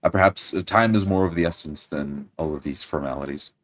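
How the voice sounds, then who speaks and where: A man's voice: rumbling low, a little fast. A man voicing a courteous armored nobleman in a tabletop game, formal and stammering. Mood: hesitant.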